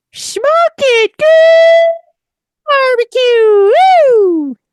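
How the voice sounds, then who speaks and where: A put-on character voice, squeaky and extremely high in pitch. Its tone is playful. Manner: comedic, playful.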